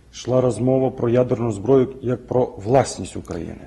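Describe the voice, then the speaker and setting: Using an unremarkable speaking voice, a man talks at a medium pitch and a moderate pace. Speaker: journalist, interviewer. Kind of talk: interview question. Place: office.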